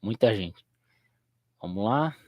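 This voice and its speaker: A man's voice: on the low side, animated, takes it slowly, darkish tone, no echo, clean studio sound. A young Brazilian man who teaches theology, chatting casually on his livestream in a rambling, slangy way and laughing easily.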